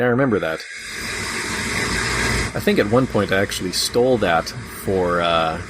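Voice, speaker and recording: A man hosting a casual panel discussion as moderator, talking in a rambling, wry, good-humored way. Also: low-pitched. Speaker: podcast host and moderator. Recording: hobby podcast with furnace hum. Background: noisy furnace hum.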